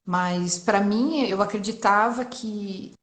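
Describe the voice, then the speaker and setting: A woman in her thirties from Brazil recounts a personal story with open emotion. She keeps checking in with her listener through little tag questions. Her voice sits at a middle pitch and carries a noticeable room echo. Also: slow. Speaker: entrepreneur guest sharing testimony. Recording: roomy echo.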